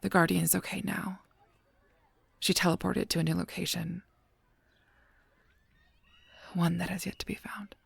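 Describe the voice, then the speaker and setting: An actor playing a solemn, protective guardian angel in an audio drama, speaking gravely and formally with a husky voice. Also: medium pitch, little pitch movement, no echo, full character voice. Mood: grave, regretful. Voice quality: husky, breathy, creaky voice. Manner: grave, measured, formal speech. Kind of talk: scripted audio roleplay acting.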